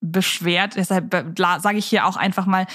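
A woman's voice: fairly low pitch, steady tone, normal speed, fairly bright tone. A woman hosting a podcast in a chatty, wordy and polite way. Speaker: podcast co-host.

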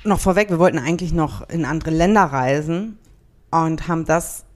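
A woman's voice: low voice, moderate pace. A woman in her late thirties from Berlin, co-hosting a casual podcast in a cheerful, easy manner. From Berlin, Germany. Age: 30s. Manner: cheerful, laughs often. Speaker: podcast co-host. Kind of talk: casual chat.

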